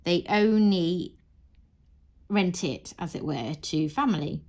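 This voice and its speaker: A woman in her thirties chatting away as she crafts, rambling and laughing softly, often restarting her sentences. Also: fairly low pitch, takes it slowly. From Wales. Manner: rambling, warm, frequent soft laughs and restarts. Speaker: crafting channel host. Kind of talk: chatty monologue while crafting.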